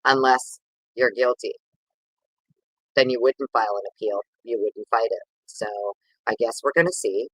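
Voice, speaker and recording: A man's voice: mid-range voice, fairly even intonation, normal speed, long pauses, a bit bright, breathy edge, no room sound, rough recording. A man hosting a casual livestream, chatting with viewers in a rambling, over-caffeinated, sweary way. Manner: informal, sweary slang. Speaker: livestream host.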